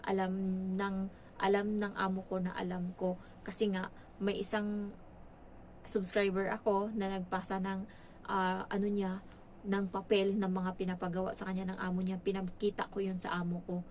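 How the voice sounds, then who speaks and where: A woman from the Philippines working as a domestic helper, telling her story in a casual, lively way, acting out quoted dialogue and mixing in English words. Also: medium pitch, moderate pace, pauses often, a little hiss or hum.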